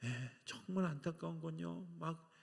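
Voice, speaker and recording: Male pastor, gravelly voice, chatty sermon in a reverberant church hall. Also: a little high, a little slow. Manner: conversational, asks the congregation questions and answers them. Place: church sanctuary.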